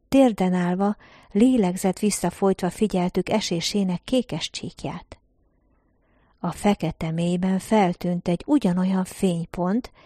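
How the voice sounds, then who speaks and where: Low, mellow woman reading an audiobook. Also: no echo, clean studio sound. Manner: measured, calm reading with quiet narrative asides. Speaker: audiobook reader. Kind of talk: scripted narration of a first-person science-fiction story.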